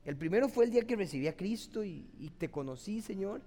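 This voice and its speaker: A man's voice: high voice, lively intonation, a little fast, mellow. A man with a Costa Rican accent preaching an impassioned, emotional sermon as a pastor. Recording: long hall reverb.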